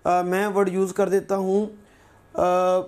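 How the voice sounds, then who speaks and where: A male teacher giving a recorded grammar lesson, patiently repeating words slowly as examples. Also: high voice, level tone, darkish tone.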